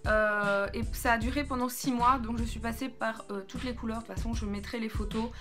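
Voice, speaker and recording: A woman in her twenties chatting casually in a vlog, swearing freely and filling pauses with fillers. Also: fairly high pitch, steady tone, a bit bright, faint music behind. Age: 20s. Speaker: beauty YouTuber.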